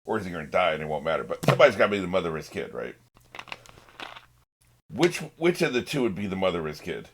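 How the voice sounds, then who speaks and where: Deep voiced guy doing casual reaction commentary, kinda musing out loud, swears a bit. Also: very animated, quick pace, long pauses, a little hiss or hum. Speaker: reaction show host.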